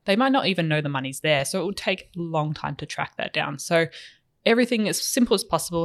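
Steady podcast co-host. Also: medium pitch. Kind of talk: casual finance podcast explanation.

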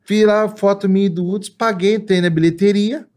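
Animated Brazilian storyteller, fairly high voice. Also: male voice, brisk. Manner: animated, laughing, acts out the people in his stories. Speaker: singer and guest. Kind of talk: storytelling in casual chat.

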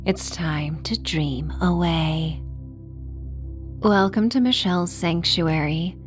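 A woman narrating a sleep story and guided meditation softly and gently, with a breathy voice that drifts near a whisper. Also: on the low side, faint music behind. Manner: slow, gentle, measured. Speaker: podcast host and meditation guide.

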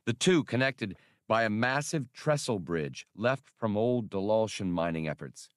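A man narrates an adventure audiobook in a low voice. His delivery is measured and expressive, like a storyteller at work. The sound is very dry, with no room on it. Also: no echo. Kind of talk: scripted dramatic narration of a science fiction adventure.

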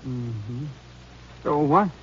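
A man's voice: mid-range voice, animated, drawn-out words, a bit bright, breathy edge, exaggerated voice. An actor playing a nervous, evasive young man in a 1950s radio drama, defensive and hesitant. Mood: reluctant. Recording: muffled, very noisy old radio recording.

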